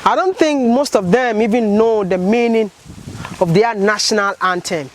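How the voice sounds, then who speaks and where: Impassioned high-voiced man vlogging outdoors. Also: moderate pace, slight background noise, poor audio. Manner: earnest, repeats rhetorical questions. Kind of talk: impassioned vlog commentary.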